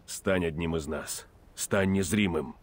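An actor playing a grim, weathered male assassin mentor in a game dub, speaking slowly and gravely. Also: low voice. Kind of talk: Russian game dub acting.

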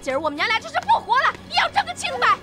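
An actress playing a bitter, furious middle-aged concubine in a period TV drama, shrieking and scolding. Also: female voice, very high voice, huge pitch swings, normal speed, bright, forceful tone, soft background music, heavily acted. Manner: shrieking, scolding, spitting insults.

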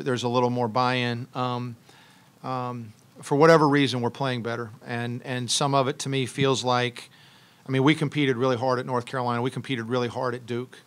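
With a smooth, mid-range voice, a middle-aged head basketball coach responds to postgame questions. He sits at a press room table in front of a logo backdrop and speaks into a mic on a stand, his answers thoughtful but broken up by frequent restarts and ums.

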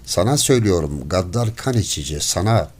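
A man doing a gruff stern forest warden. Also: sits low, lively intonation, brisk, darkish tone. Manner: gruff, curt and commanding. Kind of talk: audiobook character voice.

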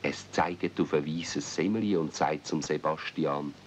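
Low-voiced Swiss German male storyteller. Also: a little slow. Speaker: narrator. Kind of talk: storytelling narration in a children's radio play. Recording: muffled, noisy old cassette with rumble.

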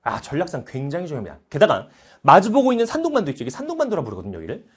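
A man in his thirties teaching history in a lively lecture, animated and playful, breaking into joking voices. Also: a little high, rapid-fire, slightly rough. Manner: animated, playful, puts on mock foreign voices.

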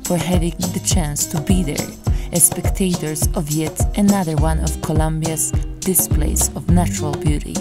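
A woman's voice: low voice, fairly even intonation, normal speed, few pauses, over loud music. A young woman with a Polish accent, a native Polish speaker, narrating her travel vlog in a cheerful, chatty way. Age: young adult. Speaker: travel vlogger. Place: outdoors on a rooftop.

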